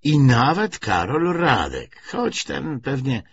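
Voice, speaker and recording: A man voicing a brisk, wry, self-assured young communist woman in an audiobook novel, talkative with a feigned lightness. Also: medium pitch, big pitch swings, lo-fi sound, slight background noise, pitched above the performer's own voice. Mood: wry, eager.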